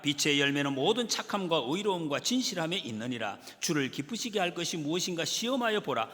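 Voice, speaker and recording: A middle-aged male pastor preaching a sermon, asking his congregation questions and swinging between loud emphasis and hushed asides. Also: a little high. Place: church sanctuary. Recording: long hall reverb.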